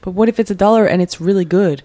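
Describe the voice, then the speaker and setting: A woman's voice: medium pitch, fast talker, mellow. A woman co-hosting a podcast in casual chat, teasing her co-host and laughing often.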